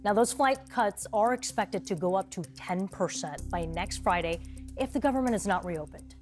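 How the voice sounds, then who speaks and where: A woman's voice: mid-range voice, animated, normal speed, a little mellow, soft background music. A woman news anchor reading a scripted report.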